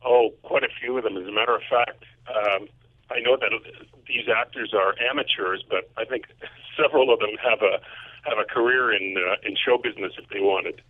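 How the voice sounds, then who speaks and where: A man's voice: on the low side, steady tone, moderate pace, no room sound. A man calling in remotely as a guest composer, explaining his mixing work in casual interview talk over a narrow telephone line. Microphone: phone or remote call.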